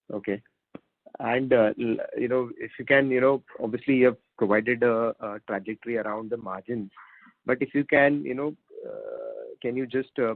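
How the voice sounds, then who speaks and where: Male analyst, Indian accent, fairly low pitch, stop-start questioning, thin phone audio. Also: gravelly, no echo. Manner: halting, repeats himself. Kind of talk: earnings call questioning. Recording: narrowband phone line.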